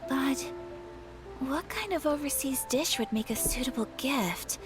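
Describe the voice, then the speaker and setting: Brief: polite young noblewoman in a game, gentle and apologetic, high voice. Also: animated, a little slow. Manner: soft-spoken, formal, apologetic. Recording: game audio with music behind.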